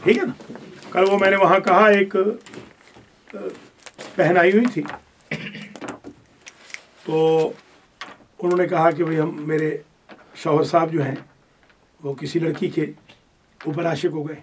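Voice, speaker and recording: A man teaching a classroom grammar lesson to religious students, stern and quick to correct them. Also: fairly high pitch, steady tone, slight background noise.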